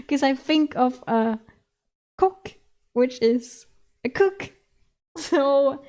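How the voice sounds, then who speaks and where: A giggly Swedish woman, whose first language is Swedish, reads a novel aloud in a high, slightly mellow voice. She keeps breaking off to laugh and add chatty commentary.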